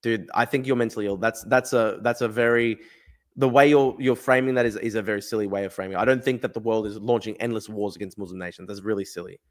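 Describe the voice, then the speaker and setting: Reading viewer chat on his casual livestream, a young man talks fast in a lowish, steady voice. He's blunt and argumentative, curses without hesitation, and says the same phrases again and again.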